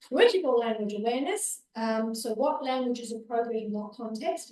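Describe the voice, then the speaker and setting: In an Australian accent, a woman speaks with lively intonation at a moderate pace. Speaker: university language teacher. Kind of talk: conference presentation. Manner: hesitant with fillers.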